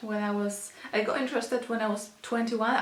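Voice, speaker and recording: A woman speaks at a fairly high pitch with a Polish accent. Noticeable background noise and audible room echo fill the recording. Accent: Polish accent, working on it. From Poland, Krakow. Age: 20s. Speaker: beauty YouTuber. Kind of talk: Q&A vlog. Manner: halting, many fillers.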